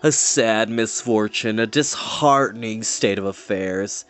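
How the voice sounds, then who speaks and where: A man's voice: fairly low pitch, fairly bright tone, smooth. Man acting a mournful, whining fairy creature. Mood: gloomy, resigned. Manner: drawn-out sighing, mournful, hesitant. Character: melancholy, whining, fretful fairy-folk creature, endlessly gloomy.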